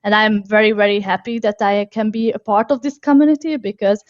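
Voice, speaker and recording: A woman's voice: mid-range voice, steady tone, a little fast, dry recording, highs cut off. A woman from Hungary, a guest in an interview, talking casually with lots of fillers, restarts and laughs. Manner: hesitant, many fillers and restarts, laughs often.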